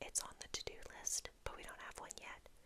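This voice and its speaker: The speaker is a woman. She whispers at a moderate pace. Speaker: ASMR creator; backyard chicken keeper. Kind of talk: ASMR whisper talk to camera. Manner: whispered.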